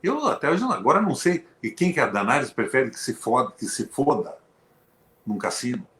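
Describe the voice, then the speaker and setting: A man's voice: mid-range voice, moderate pace. Older brazilian guy ranting about politics, punchy and sarcastic, roomy echo. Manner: emphatic, animated, with sarcastic asides. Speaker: former senator, show host. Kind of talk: political conversation. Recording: echoey room.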